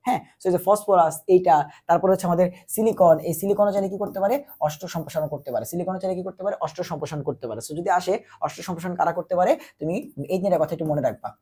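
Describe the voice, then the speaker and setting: Feverish tutor, husky voice. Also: male voice, high voice, warm tone. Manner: repetitive call-and-answer teaching, quizzing the listener. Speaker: chemistry tutor. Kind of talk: exam-prep lecture.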